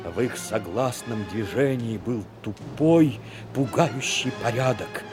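A man's voice: mid-range voice, expressive, takes it slowly. A man reading scripted literary narration for a dramatic audio play. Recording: music under the voice.

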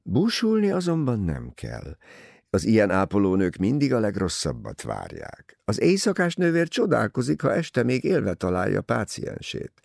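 A man reading an older detective in an audiobook, measured and gently ironic. He lectures with a lively rise and fall, his voice gravelly. It is dry and close-miked. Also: on the low side, no room sound, voice pushed up, heavily acted. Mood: reflective.

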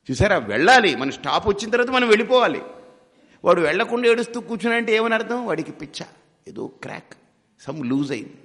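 A man's voice: high-pitched, fairly bright tone, in a large hall. A man teaching as a spiritual guide in a devotional discourse. He asks many rhetorical questions and mimics his listeners as he talks.

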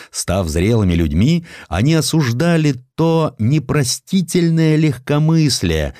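A man reading historical prose as an audiobook narrator, in an expressive storytelling manner with a dramatized touch. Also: on the low side, dry recording, studio quality. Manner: expressive storytelling, acting out quoted lines.

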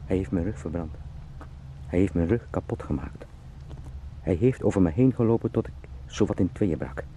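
A man's voice: deep voice, normal speed, dark tone, a little hiss or hum, close to an everyday voice. An actor playing an anguished, obsessive young man turned into a giant beetle, pleading and brooding in an intimate radio drama. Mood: pained, angry.

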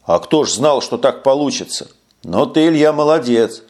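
A man reading an audiobook, voicing a friendly, easygoing young comrade in a calm manner. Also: medium pitch, moderate pace, lightly acted.

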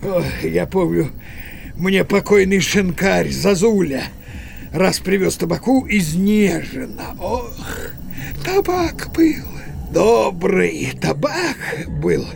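An actor playing a grumbling, sociable and indecisive village Cossack in an audio play, with drawn-out exclamations. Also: male voice, high voice, big pitch swings, gravelly, exaggerated voice. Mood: puzzled, wistful. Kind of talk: theatrical audio play acting.

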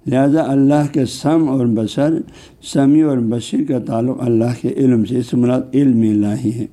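The clip features a male Islamic scholar lecturing on religion, unpacking terms word by word amid many fillers and reading Arabic passages unhurriedly. He has a mid-range, warm voice with fairly even intonation.

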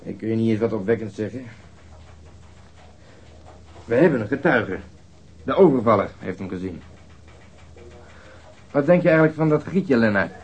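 A sceptical police detective in a radio drama. He has a low voice and a blunt, sardonic, grumbling manner. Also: lively intonation, moderate pace, long pauses, darkish tone, husky, highs cut off. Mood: irritated, sardonic. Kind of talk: naturalistic Dutch radio drama acting.

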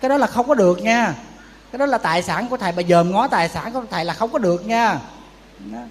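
A monk preaches in a high, light voice. He tells his stories in a chatty way and keeps asking the audience rhetorical questions. The sound carries a long hall echo over a faint hiss. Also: expressive, quick pace. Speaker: Buddhist monk teacher. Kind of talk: sermon.

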